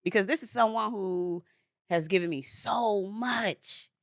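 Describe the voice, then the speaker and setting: A woman's voice: mid-range voice, unhurried, creaky, no echo, studio quality. A woman in her forties co-hosting a podcast, telling a story in casual chat and laughing easily. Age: 40s. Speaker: podcast co-host.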